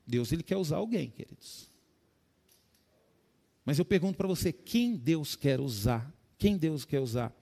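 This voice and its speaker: Brazilian male pastor, high-pitched, middle-aged, emotional sermon delivery. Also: lively intonation, a little slow, gravelly, pauses often, dark tone. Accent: Brazilian Portuguese. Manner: preaching with sudden rises in pitch and volume, addressing "queridos".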